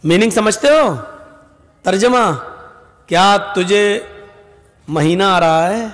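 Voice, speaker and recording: A man from northern India preaching a sermon at a religious gathering, animated, sometimes shouting and quizzing the audience. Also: high-pitched, faint music behind. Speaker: Islamic preacher. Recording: echoey hall with long reverb.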